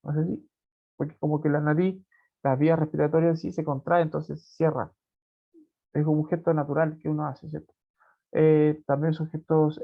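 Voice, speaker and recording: A male teacher gives an online lecture in a somewhat high, gravelly voice. He explains patiently and keeps checking that his students follow. The sound is dull and lo-fi, as from a video call. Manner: explanatory, constantly checks in with "¿cierto?". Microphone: computer mic on a video call.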